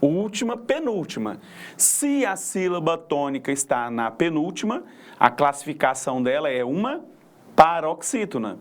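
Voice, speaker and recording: A man's voice: fairly high pitch, sing-song, normal speed. A man with a Brazilian accent teaching a lesson on word stress, patiently counting syllables aloud and checking in with his students as he goes. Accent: Brazilian Portuguese.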